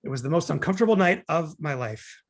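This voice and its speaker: Casting: man playing neurotic, defensive wisecracker, gravelly voice, lively swings in pitch, table-read comedy. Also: fast talker. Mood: anxious, exasperated. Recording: remote video-call table read.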